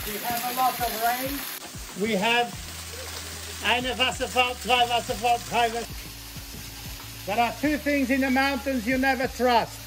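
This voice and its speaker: An older man guiding a walk outdoors, explaining plants and sights in halting, playful English. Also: extremely high pitch, steady tone, over music, low-quality recording. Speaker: tour guide. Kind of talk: guided walk commentary. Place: outdoors on a mountain path.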